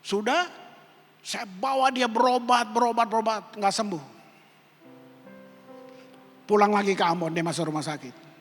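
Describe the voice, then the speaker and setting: A man's voice: high-pitched, normal speed, pauses often, a bit bright. A male pastor preaching a sermon, telling personal stories with acted-out quotes in casual slang. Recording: echoey hall with music behind.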